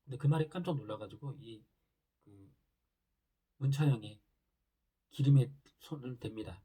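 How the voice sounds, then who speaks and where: A man walks through a drama's plot in an easygoing recap, stringing scenes together with plenty of filler words. His voice sits in a mid range and sounds husky and dark. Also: mid-range voice, moderate pace. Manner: loose retelling with many fillers. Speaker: drama reviewer.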